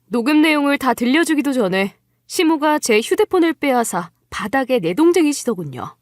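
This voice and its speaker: A woman's voice: high-pitched, very animated, moderate pace, dry recording, clean studio sound. A woman giving scripted first-person dramatic narration of a story.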